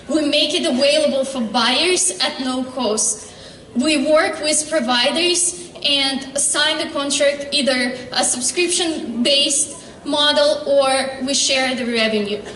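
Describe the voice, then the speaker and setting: High-voiced woman pitching in an echoey hall. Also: pushed and bright. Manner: earnest, halting with fillers and restarts. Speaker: startup founder pitching. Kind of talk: pitch presentation and Q&A. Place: convention hall stage. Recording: echoey hall, distant mic.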